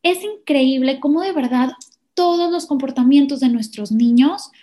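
A woman talks parents through handling a child's difficult behavior. Her voice sits high, and she explains each step in a calm, steady way, acting out short lines of what a parent might say. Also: normal speed. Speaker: parenting educator. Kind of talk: explanatory podcast talk.

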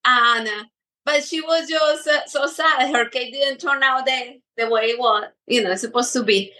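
A woman's voice: sits high, moderate pace, bright, forceful tone, low-quality recording. A middle-aged woman guest speaking in a casual interview, hesitant with many fillers and restarts. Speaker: guest baker.

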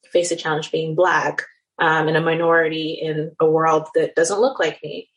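Woman in her 30s, general American accent, lowish voice, earnest reflective interview guest. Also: little pitch movement, moderate pace, muffled recording. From Nigeria and the Netherlands. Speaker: cosmetic surgeon guest. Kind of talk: interview conversation.

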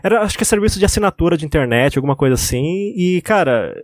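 A man with a Brazilian Portuguese accent, co-hosting a podcast in casual chat, telling stories with drawn-out pauses and frequent fillers. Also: a little high, animated, no echo. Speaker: podcast co-host.

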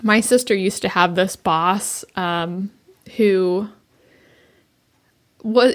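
A young woman with a mid-range voice chats easily on a podcast. She tells anecdotes in a loose conversational flow and often pauses on "like" and "you know.". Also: medium pitch. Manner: conversational, storytelling, frequent fillers. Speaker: podcast co-host. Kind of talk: casual chat.

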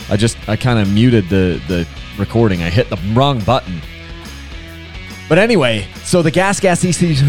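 A man hosting a casual solo podcast, chatty and enthusiastic, rambling with frequent restarts. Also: mid-range voice. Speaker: podcast host.

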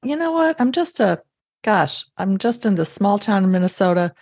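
A woman's voice: medium pitch, very animated, moderate pace, darkish tone, breathy edge, no echo, clean studio sound. A woman hosting a faith podcast, speaking, affirming and eager, often speeding up in bursts. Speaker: podcast host. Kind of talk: casual faith interview.

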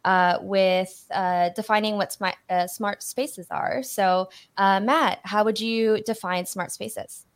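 A woman's voice: medium pitch, steady tone, takes it slowly. A woman co-hosting a podcast, upbeat and welcoming, with a few small slips as she introduces the topic. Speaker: podcast co-host.

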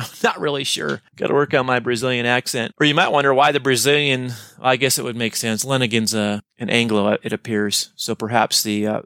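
Male teaching-podcast host, playful asides, bright forward tone. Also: mid-range voice, dry recording, studio quality. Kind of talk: podcast lesson summary.

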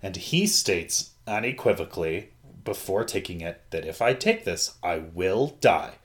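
Low-voiced, jokey man in casual podcast chat. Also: sing-song, normal speed, a bit bright. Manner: jokey, rambling, digressive, mildly profane. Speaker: podcast host. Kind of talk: casual chat recapping an anime.

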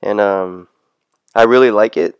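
A man's voice: fairly low pitch, unhurried, smooth, dry recording, lo-fi sound. A man hosting a casual solo podcast, talking in a rambling, hesitant way and often losing his thread. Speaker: podcast host. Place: standing in the middle of his room at home.

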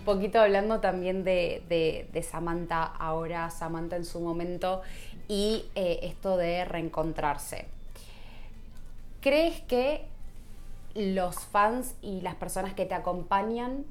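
A woman interviewing a singer, asking friendly questions with soft diminutives. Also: fairly low pitch, takes it slowly, faint music behind.

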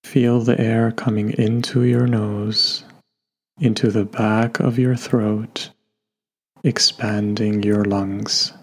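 A man guiding a meditation in a gentle, unhurried way, leaving long pauses between instructions. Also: lowish voice, flat delivery, breathy edge. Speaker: meditation guide. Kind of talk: guided meditation narration. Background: soft background music.

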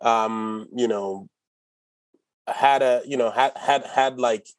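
A middle-aged man talks easily about his past as an interview guest, restarting his sentences and laughing now and then. His voice sits at an ordinary pitch and sounds close and dry, with no room around it. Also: slow pace, no room sound, poor audio. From Ghana. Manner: relaxed storyteller, many restarts and laughs. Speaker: guest, company executive. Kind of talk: casual interview talk.

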